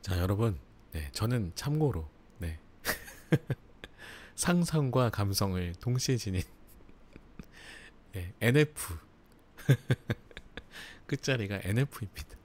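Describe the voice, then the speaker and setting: A man's voice: lowish voice, lively intonation, takes it slowly, long pauses. A man hosting a live book review, chatting casually with frequent laughs and fillers. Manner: chatty, laughs often, filler-heavy asides. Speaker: book channel host.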